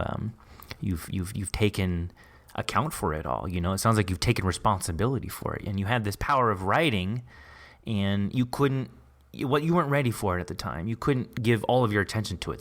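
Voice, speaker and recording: A man hosting a casual, conversational interview in an encouraging, affirming way. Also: sits low. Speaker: podcast host interviewing an author.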